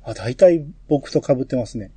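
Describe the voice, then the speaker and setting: A man hosting a casual podcast, reading listener mail aloud with a relaxed, teasing manner. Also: medium pitch, normal speed, husky, no room sound. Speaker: podcast host.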